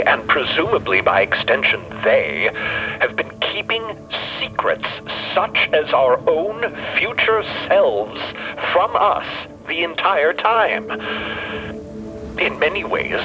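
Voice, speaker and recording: An actor playing a troubled, brooding scholarly explorer in an artificial undead body, speaking haltingly and theatrically in an audio drama. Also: male voice, mid-range voice, muffled recording. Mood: wistful, exasperated.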